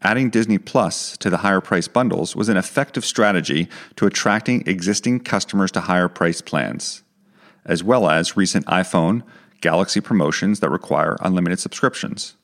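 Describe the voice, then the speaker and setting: A man working as a financial analyst reads a scripted report in a formal, measured manner. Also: low voice, fairly bright tone.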